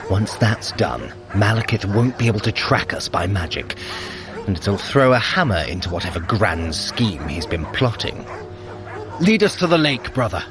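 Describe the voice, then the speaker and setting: A man's voice: on the low side, very animated, moderate pace, music in the background. An actor playing a sly, haughty trickster god in an audio drama, sardonic, smug and theatrical as he bickers with his brother. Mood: satisfied. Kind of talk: scripted audio drama acting.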